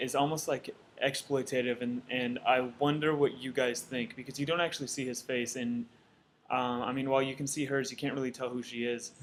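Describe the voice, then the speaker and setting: Here a man at a medium pitch speaks at a moderate pace with monotone, flat intonation. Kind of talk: casual talk to camera. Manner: stuttering, hesitant.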